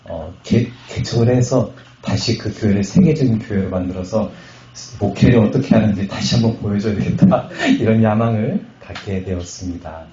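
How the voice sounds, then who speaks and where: A middle-aged man from Chungcheong Province, a pastor giving a testimony sermon at a revival meeting, telling his story with jokes and loud bursts. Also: on the low side, moderate pace, background noise. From Chungcheong Province, Korea. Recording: echoey hall, slightly muffled sound.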